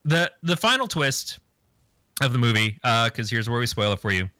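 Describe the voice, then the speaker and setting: A man's voice: medium pitch, animated, normal speed, bright, forceful tone, no room sound. A man casually recapping a movie plot on a podcast, rambling and joking crudely. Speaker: podcast co-host. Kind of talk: casual movie review chat.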